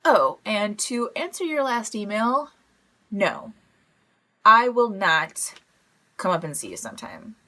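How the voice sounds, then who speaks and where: A woman's voice: mid-range voice, very animated, slow, pauses often, pushed and bright, full character voice. A woman playing a wry, rambling lone radio broadcaster in a comedy audio drama, awkward and self-deprecating.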